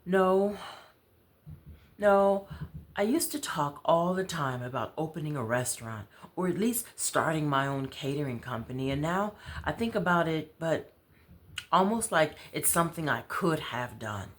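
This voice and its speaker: Reader as reflective woman in a novel, halting and thoughtful. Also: sits low, expressive. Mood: hesitant, wistful. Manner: hesitant, reflective. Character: thoughtful, hesitant woman dreaming of a restaurant. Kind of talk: storybook dialogue reading.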